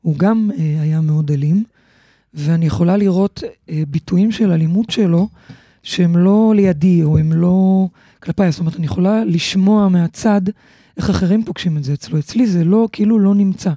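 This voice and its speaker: Woman chatting on a podcast, kinda hesitant, asks lots of questions, warm low tone. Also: no room sound, studio quality. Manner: inquisitive, hesitant, with fillers. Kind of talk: casual podcast chat.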